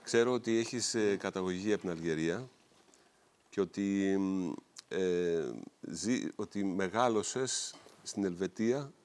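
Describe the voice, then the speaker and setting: Low-voiced male interviewer. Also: normal speed. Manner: calm, asks questions, frequent mm-hmm. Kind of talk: interview questions.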